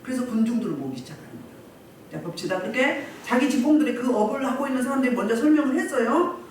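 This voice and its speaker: At a healing service, a woman pastor preaches quickly and animatedly, acting out quotes and shouting crowds as her pitch swings widely. Recorded from a distance in a church meeting room, her voice rings around the very echoey space over faint noise.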